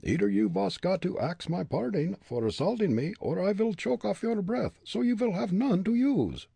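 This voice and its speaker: A man's voice: high-pitched, normal speed, creaky, breathy edge, no echo, voice pushed up, full character voice. A man doing a stubborn German-accented detective. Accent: comic German. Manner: calm, stubborn, broken English. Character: cool young male detective with a German accent.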